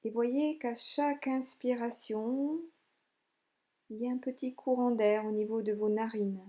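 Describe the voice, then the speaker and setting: Slow, mellow woman guiding relaxation. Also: a little high, fairly even intonation. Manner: soothing, gentle, unhurried instructions with pauses. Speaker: yoga nidra instructor. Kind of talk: guided relaxation meditation.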